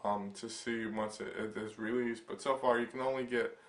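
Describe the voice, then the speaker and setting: A young man talks through a gadget overview for his channel, his voice stuffy from a lingering cold. He rambles with lots of fillers and restarts, and his pitch stays flat and level throughout. The room around him sounds echoey. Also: normal speed. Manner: rambling, filler-heavy, hesitant. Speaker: tech channel host. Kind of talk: casual product overview vlog.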